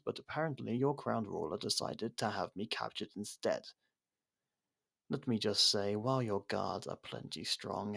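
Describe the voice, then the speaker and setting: An actor playing a proud, defiant captured royal in an ASMR roleplay, speaking in a haughty, halting, dramatic way. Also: male voice, fairly low pitch, vocal fry, a bit bright, husky, exaggerated voice.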